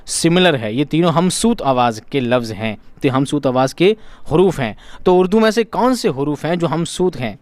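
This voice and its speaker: A guy teaching exam prep, kinda high voice, asks then answers his own questions, dry room. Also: expressive, normal speed, no room sound. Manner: repeats key terms for emphasis.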